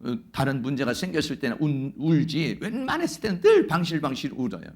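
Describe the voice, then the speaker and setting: Male pastor, sermon, fervent proclaimer, animated up-and-down delivery. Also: a little high, brisk. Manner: fervent, proclaiming declarations, asks and answers his own questions. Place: church Sunday service.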